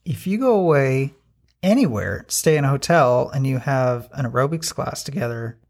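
A man's voice: mid-range voice, expressive, normal speed, creaky, darkish tone. A wisecracking man co-hosting a podcast in casual chat, with wry remarks. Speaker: podcast co-host.

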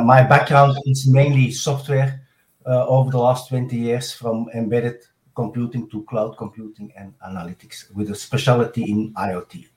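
A man with a Belgian accent talks in a measured, careful way as a podcast guest. His voice sits at a middling pitch and carries a roomy echo, as if he is recorded away from a close microphone. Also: darkish tone. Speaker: guest, chief solution architect. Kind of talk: podcast interview.

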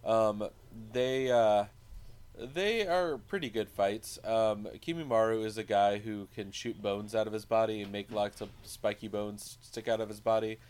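A man co-hosting a podcast, recapping casually in a halting, hesitant way with dry jokes slipped in. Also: lowish voice, a little mellow, clear, resonant tone. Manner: hesitant, halting, dryly joking. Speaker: podcast co-host.

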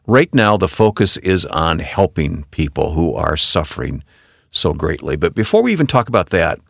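A middle-aged male radio host with a very low voice asks measured questions. His voice is recorded close and dry. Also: very animated, vocal fry, no room sound. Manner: measured, scripted-sounding questions. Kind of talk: radio interview.

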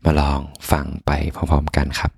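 A soft-spoken man hosting a podcast, telling personal stories as unhurried, reflective bedtime pillow talk. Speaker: podcast host.

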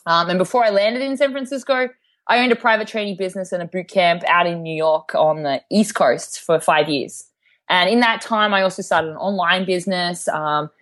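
A woman with an Australian accent, a podcast guest chatting in an upbeat way with frequent ums and you knows. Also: on the low side. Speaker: guest, fitness trainer. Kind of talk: casual interview chat.

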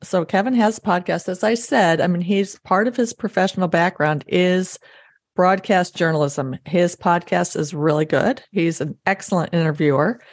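A woman's voice: lowish voice, normal speed, dry recording, clean studio sound. A woman hosting a faith podcast, speaking, affirming and eager, often speeding up in bursts. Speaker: podcast host. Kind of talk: casual faith interview.

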